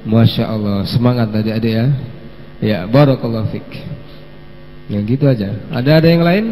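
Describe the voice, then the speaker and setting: A man's voice: on the low side, normal speed. Coaxing male kids' teacher in a hall. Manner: gently coaxing, sprinkles Arabic phrases. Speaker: children's religious teacher and host. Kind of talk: live-streamed kids' story lesson Q&A. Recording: long hall reverb with faint mains hum.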